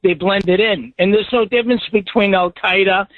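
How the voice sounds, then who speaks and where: High-voiced man calling in by phone. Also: steady tone, normal speed, no echo. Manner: earnest, addresses host by name often. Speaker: caller. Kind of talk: call-in talk radio. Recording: tinny phone line.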